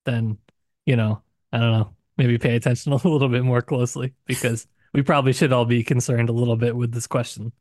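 A man's voice: medium pitch, steady tone, brisk, darkish tone, no echo, clean studio sound. A man co-hosting a podcast book discussion, talking in an earnest, explanatory way. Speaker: podcast co-host.

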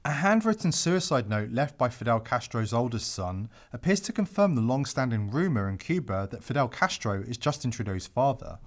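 A male podcast host narrating from a script. His pitch rises and falls in wide swings, and he drops sarcastic asides into an otherwise dramatic read. The voice sits in a middle register.

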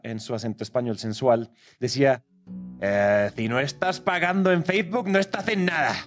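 A man co-hosting a business podcast, talking in a relaxed conversational way. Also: mid-range voice. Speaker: podcast co-host. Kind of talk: casual podcast chat.

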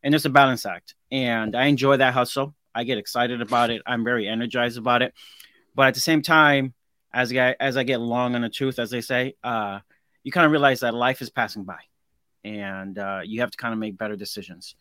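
A man in his forties speaks as a guest on a podcast, earnest and reflective, often restarting a sentence before going on. His voice is bright and forceful, at a middle pitch. The sound is dry and close, with no room around it. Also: steady tone, a little fast, dry recording. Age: 40s. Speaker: guest craftsman. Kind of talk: casual interview chat.

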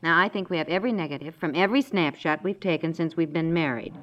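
A woman playing a brisk, practical wife and mother in a naturalistic 1950s radio comedy, chatty and wry with gentle exasperation. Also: low-pitched, lightly acted. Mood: busy, cheerful. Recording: dull vintage 1950s radio recording.

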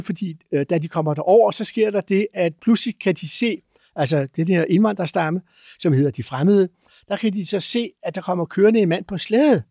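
Man, high voice, dry close sound, animated storyteller, lots of hesitations. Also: dry recording. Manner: halting, many filler sounds; lively, acts out chants and sounds. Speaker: guest explorer.

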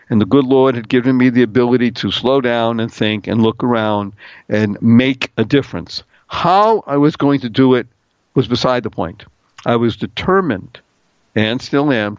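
A man's voice: medium pitch, no room sound, muffled recording. A middle-aged man hosting a talk radio show, playful and upbeat, spelling out words letter by letter and singing little bits.

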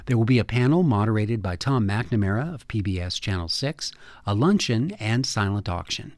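A male radio host and producer reading announcements and credits in a measured, formal way. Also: on the low side, expressive, darkish tone, no room sound.

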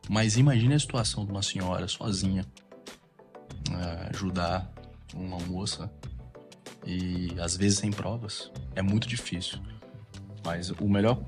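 Deep-voiced podcast host. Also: male voice, darkish tone. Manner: measured, reassuring, searching for words. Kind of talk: reflective commentary.

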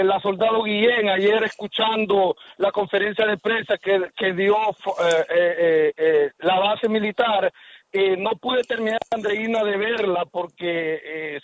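High-voiced man halting on a phone line. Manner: halting, many fillers and restarts. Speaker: radio caller. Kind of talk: casual call-in opinion. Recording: muffled phone line with faint hiss.

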